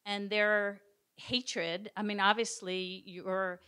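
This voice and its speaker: A woman's voice: medium pitch, flat delivery, slow, sharp tone, smooth. A woman in a lecture audience asking a long question carefully and hesitantly, with many fillers. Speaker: audience member.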